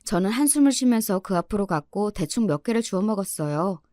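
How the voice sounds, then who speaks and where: A woman narrating a true-life story in an expressive, lively reading. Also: mid-range voice, fairly quick, no room sound, clean studio sound.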